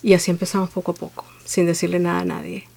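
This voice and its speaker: Woman, Venezuelan accent, interview guest, reflective, creaky gravelly voice. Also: on the low side, racing, slight background noise. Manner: reflective, steady, frequent "eh" fillers. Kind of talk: interview storytelling.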